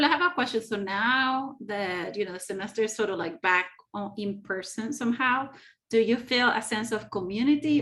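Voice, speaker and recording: A woman, an advisor for a student association, asking questions in a relaxed meeting on a video call. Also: medium pitch. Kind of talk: casual meeting talk.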